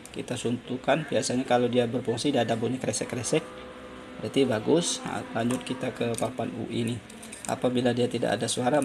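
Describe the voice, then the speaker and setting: A man giving an informal hands-on phone repair tutorial as host, halting and pausing often as he explains. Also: mid-range voice. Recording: clearly noisy amateur recording.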